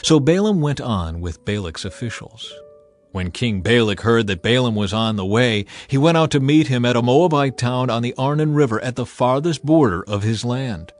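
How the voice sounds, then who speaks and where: A storyteller with an expressive, medium-pitched voice reads scripture at normal speed for a dramatized audio Bible. His scripted narration is solemn and dramatic, with music playing underneath.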